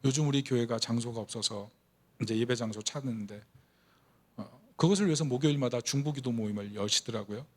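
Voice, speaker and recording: A man's voice: medium pitch, fairly quick. A middle-aged man preaching a Sunday sermon, telling a story and building to fervent, emotional emphasis. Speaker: pastor.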